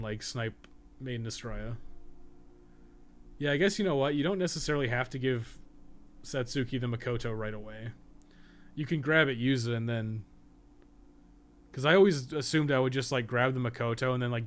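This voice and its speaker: A man giving casual, rambling livestream game commentary, thinking aloud with some swearing and self-deprecation. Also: mid-range voice. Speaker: video game streamer and podcast co-host.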